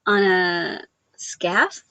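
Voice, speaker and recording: A woman's voice: lowish voice, drawn-out words, bright, forceful tone, dry recording, lo-fi sound. A woman hosting a live stream, chatting casually and giggling as she talks to her viewers.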